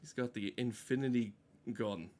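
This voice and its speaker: A man's voice: medium pitch, moderate pace, darkish tone. A man casually streaming a game, rambling and swearing with dry, joking commentary.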